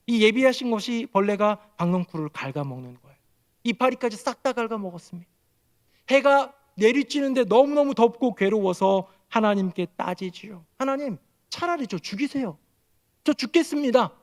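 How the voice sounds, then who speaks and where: Animated high-voiced Korean pastor preaching. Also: male voice. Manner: animated storytelling, acting out quoted voices with raised pitch. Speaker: senior pastor. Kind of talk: sermon.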